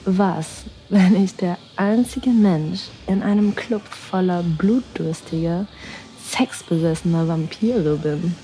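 Woman reading a steamy audio drama, super slow, warm mellow voice, breathy, soft music behind. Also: on the low side. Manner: breathy, sensual, drifting into whispers. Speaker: narrator. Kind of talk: intimate first-person audio drama narration.

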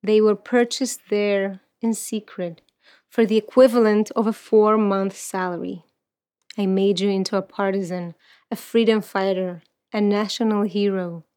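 A woman in her thirties from Ukraine, a native Russian speaker, is an interview guest, an activist and poet, speaking earnestly and reflectively about her life and reciting a poem. Her medium-pitched voice is steady, mellow and a little slow, with frequent restarts.

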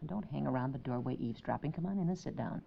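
Wry 1950s radio housewife, muffled recording. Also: female voice, rumbling low, lively intonation, rapid-fire, gravelly, slight background noise, full character voice. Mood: mild, practical. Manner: conversational, gently wry, dramatizing her worries. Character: wry, sensible, fretful suburban mother and wife. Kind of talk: 1950s radio comedy acting, naturalistic domestic dialogue.

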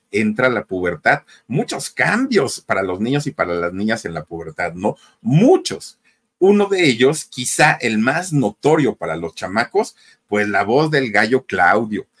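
A man's voice: on the low side, a bit bright. A man with a Mexican accent telling a life story in a chatty, casual way, often addressing the listeners directly. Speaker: storyteller, channel host.

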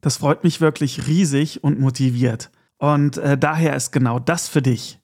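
Gravelly German man hosting a podcast. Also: medium pitch, fairly even intonation, moderate pace, a little mellow. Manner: chatty and enthusiastic, with asides and small laughs. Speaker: podcast host. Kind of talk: casual podcast talk.

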